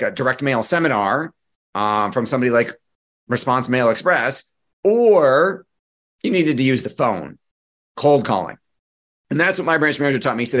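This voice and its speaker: Middle-aged guy coaching a workshop, chatty storyteller, normal pitch. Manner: lively, conversational storyteller who acts out dialogue. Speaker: marketing coach. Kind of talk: workshop presentation with personal storytelling.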